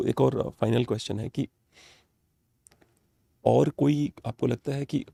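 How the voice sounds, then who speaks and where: A man hosting a podcast who asks probing questions in a halting way and often restarts them. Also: mid-range voice, steady tone, creaky, dark tone, no echo, clean studio sound. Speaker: podcast host.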